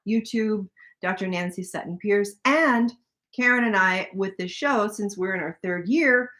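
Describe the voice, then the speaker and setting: An older woman co-hosting a live stream, chatting casually and plugging the show with upbeat, warm-hearted energy. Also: medium pitch, a little slow. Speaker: livestream co-host. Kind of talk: casual livestream chat.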